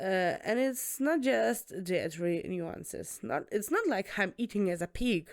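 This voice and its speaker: Speaking fairly slowly, a woman talks in a strong Eastern European accent. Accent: thick Eastern European. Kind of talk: podcast interview answer. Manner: casual, hesitant.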